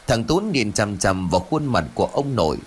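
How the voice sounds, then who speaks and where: A man narrating a ghost story in an animated, dramatic storytelling manner. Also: lowish voice, normal speed, slight background noise.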